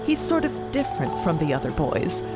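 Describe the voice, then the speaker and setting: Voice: medium pitch, sing-song, normal speed, over loud music. A narrator telling a scripted story theatrically, with conversational, wry asides.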